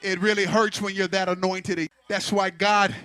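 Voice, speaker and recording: A man's voice: high-pitched, little pitch movement, normal speed, pushed and bright, smooth, no room sound. A man preaching a sermon into a pulpit microphone, building fervor and teasing the congregation to respond.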